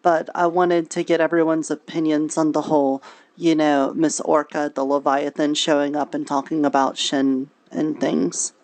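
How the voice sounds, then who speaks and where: A woman's voice: deep voice, little pitch movement, normal speed, a little mellow. A woman speaking in character in an improvised, conversational roleplay. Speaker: roleplayer in a virtual reality game.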